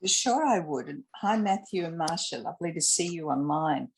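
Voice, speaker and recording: A woman's voice: deep voice, animated, moderate pace, vocal fry. An Australian woman asking a reflective question on a video call, thinking aloud with fillers. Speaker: audience member asking a question. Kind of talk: online panel discussion.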